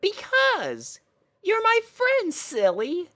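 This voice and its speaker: A man voicing a perky, naive young female pony princess in a squeaky, eager falsetto for a story reading. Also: wildly swooping pitch, drawn-out words, pushed and bright, no echo, studio quality, exaggerated voice. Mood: playful. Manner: eager, chirpy.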